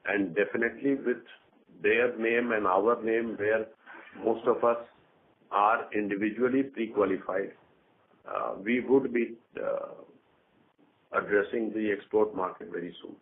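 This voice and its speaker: A man with a low voice speaks as a company executive on an earnings call. His delivery is measured and halting. The sound is narrow and tinny, as over a telephone. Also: steady tone. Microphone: conference call phone line. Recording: narrow tinny phone line.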